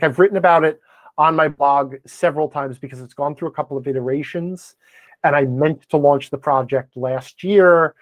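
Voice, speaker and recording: A man's voice: mid-range voice, no echo. A man speaking as a podcast guest in a conversational interview, wordy and opinionated as he explains things. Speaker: podcast guest, game blogger and author.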